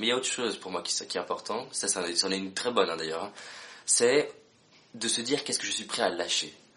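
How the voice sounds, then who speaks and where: A man talks at a fairly quick pace with ordinary pitch variation. There is noticeable background noise. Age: 20s. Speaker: motivational speaker. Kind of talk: motivational talk to camera. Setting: hotel suite. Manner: animated, frequent hesitations.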